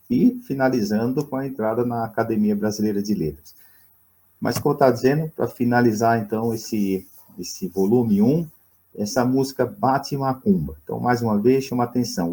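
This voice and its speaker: A man's voice: fairly low pitch, dark tone. A man with a Brazilian accent teaching a recorded history lesson, talking conversationally with many fillers and questions to his students. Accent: Brazilian Portuguese.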